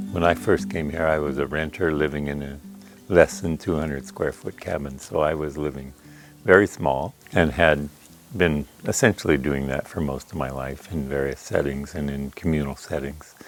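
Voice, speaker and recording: A man's very deep, low voice moves at a moderate pace and fairly even intonation while music plays behind him. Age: 70s. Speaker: ecovillage resident. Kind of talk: interview.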